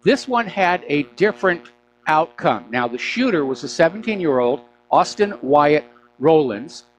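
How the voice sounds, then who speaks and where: A man who sounds a little sick, hosting a live call-in radio news show with opinionated, halting, conversational commentary. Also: fairly high pitch, big pitch swings, slight background noise, rough recording. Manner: feeling sick, under the weather, clearing throat. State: mildly unwell, not sounding normal self. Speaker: radio talk show host.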